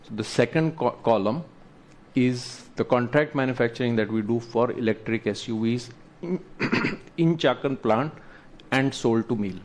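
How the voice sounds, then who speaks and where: A man presents company results to investors as an executive, explaining slides in a measured, halting way. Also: mid-range voice. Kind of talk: earnings presentation to investors, talking through slides.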